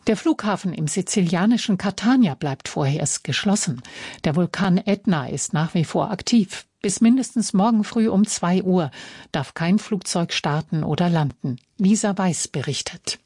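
Low, mellow female newsreader. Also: breathy edge, dry recording, clean studio sound. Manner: measured, even, formal delivery. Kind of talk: radio news reading. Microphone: studio microphone.

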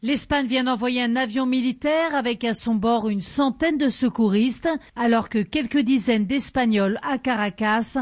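A woman's voice: a little high, moderate pace. A woman correspondent reading a short scripted radio report.

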